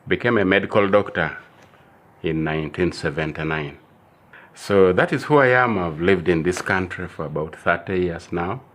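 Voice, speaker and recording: An older man, a medical doctor and theologian telling his personal testimony in a measured storytelling way. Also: low voice, a bit bright. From Uganda. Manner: measured storytelling, repeats dates and restarts phrases.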